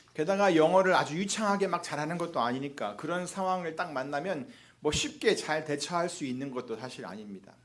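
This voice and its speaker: Fairly quick speech with lively intonation carries audible room echo. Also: man, fairly high pitch for a man. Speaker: pastor. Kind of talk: sermon. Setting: church.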